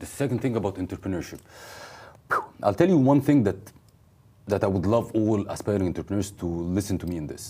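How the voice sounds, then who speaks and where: Talking at a very fast pace yet with long, frequent pauses, a man with an Arabic accent uses a fairly low pitch, a dark, mellow tone and lively intonation. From Egypt. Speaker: success coach and entrepreneur. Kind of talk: interview. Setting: studio.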